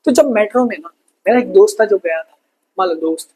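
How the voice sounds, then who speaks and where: A man teaching a lively exam revision lesson, calling the students brother and asking and answering his own questions. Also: high-pitched, brisk, breathy edge, poor audio. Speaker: science teacher.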